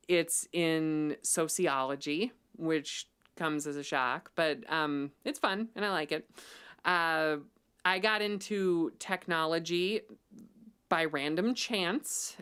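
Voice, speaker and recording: A woman's voice: low-pitched, a bit bright, smooth. A woman hosting a casual livestream, chatty and full of ums, growing emphatic when she argues a point. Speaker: livestream host.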